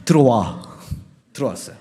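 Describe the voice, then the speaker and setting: A man's voice: mid-range voice, lively intonation, moderate pace, dark tone. A man preaching a revival sermon as a pastor, telling a story and acting out its dialogue in several voices.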